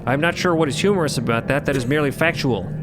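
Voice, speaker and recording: Deadpan, literal-minded crew member, acted by a man. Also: on the high side, quick pace, noisy background, natural voice. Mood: solemn, matter-of-fact. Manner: formal, deadpan, no contractions. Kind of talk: scripted audio fiction. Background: loud music.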